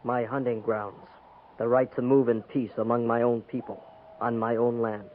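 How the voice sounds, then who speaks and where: An actor playing a proud, defiant young Native American band leader in a 1950s radio western, speaking solemn, stilted English. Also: male voice, mid-range voice, level tone, normal speed, lightly acted. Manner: terse, solemn, stilted broken English, declamatory. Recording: noisy, narrow-band 1950s radio recording.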